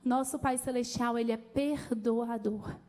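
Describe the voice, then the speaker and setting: High-voiced woman pastor preaching. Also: unhurried. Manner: conversational, animated preaching with calls to the congregation. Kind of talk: sermon. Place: church. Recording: long church hall reverb.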